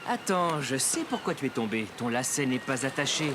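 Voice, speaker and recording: A man voicing a relaxed, helpful father in a cartoon, reassuring in manner. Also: mid-range voice, normal speed, very noisy, lightly acted. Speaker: cartoon character. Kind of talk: animated series dubbing.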